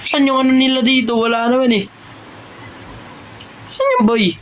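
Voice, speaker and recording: An excited host in a game role-play who barks quick commands and repeats words. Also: sits high, background noise. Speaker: gamer host.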